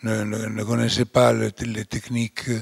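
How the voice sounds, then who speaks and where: Older italian guy speaking french, really gravelly voice, slow, keeps restarting words, dry close sound. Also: on the low side, little pitch movement, no echo. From Italy. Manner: hesitant, many restarts and fillers. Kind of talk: closing lecture.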